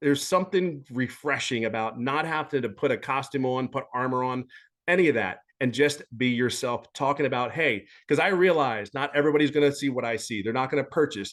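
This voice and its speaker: Using an ordinary speaking voice, a man talks at a medium pitch with ordinary pitch variation. His pace is fairly quick, and the background is quiet. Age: 50s. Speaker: success story speaker on a group webinar. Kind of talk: testimony.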